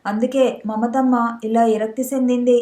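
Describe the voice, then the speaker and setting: A woman's voice: on the high side, flat delivery, moderate pace, dark tone, reverberant, natural voice. A woman voicing a frank, earnest village maidservant who speaks in rustic village dialect. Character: village maidservant, middle-aged, earnest and blunt.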